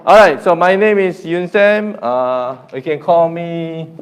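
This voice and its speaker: A man's voice: a little high, slow, a little hiss or hum. A young man from Korea with a Korean accent, a native Korean speaker, teaching a beginner Korean class live online in an informal way and often restarting his sentences. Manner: energetic, coaxing the class to repeat louder.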